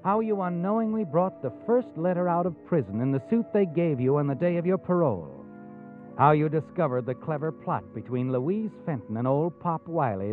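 An actor playing a sly, taunting all-knowing narrator in a 1940s radio mystery, addressing the character as you. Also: male voice, medium pitch, natural voice. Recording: tinny old radio recording, music behind.

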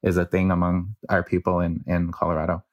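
Low-pitched and monotone, this man talks briskly, and the audio is dull with no room sound. He's a New Mexico linguistics researcher with a local Chicano English accent, giving an earnest, filler-heavy interview explanation of speech patterns.

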